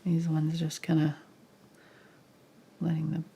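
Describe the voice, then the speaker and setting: A woman with a low, husky voice, congested from a cold, guides a live painting tutorial. Her delivery is casual and murmured, trailing off as she works, with a gravelly creak. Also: completely flat delivery, slow, warm tone. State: sick with a cold, sniffly, audible breathing. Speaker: painting instructor, live show host.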